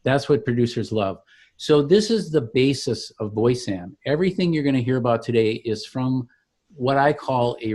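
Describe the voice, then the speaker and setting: A man's voice: medium pitch, darkish tone. A man giving a conversational product demonstration as a company founder, explaining things with enthusiasm.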